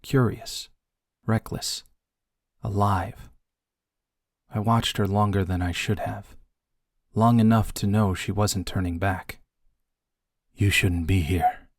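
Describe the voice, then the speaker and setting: A man reading scripted audiobook narration in a measured, hushed way with deliberate dramatic pauses. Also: on the low side, steady tone, dry recording, clean studio sound.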